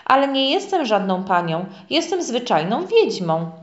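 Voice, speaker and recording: A cheerful, kindly old witch from a storybook, busy and smiling, as a woman puts her on. Her lines jump lively in pitch, and the recording sounds dull and roomy. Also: normal speed. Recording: echoey, dull lo-fi room.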